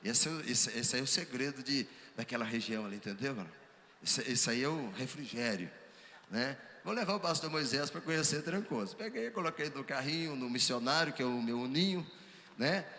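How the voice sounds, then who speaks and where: A man, a pastor telling his story on a ministers' panel, acting out the dialogue with lively energy. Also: medium pitch, a little fast. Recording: hall reverb, faint background ambience.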